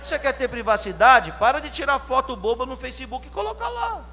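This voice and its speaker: Male preacher, São Paulo accent, high voice, shouted climaxes, long reverb, faint hum. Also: big pitch swings, brisk. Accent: São Paulo Portuguese. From São Paulo, Brazil. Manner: rising to loud shouted climaxes, drawn out; asks the congregation direct questions. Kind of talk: sermon. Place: church hall.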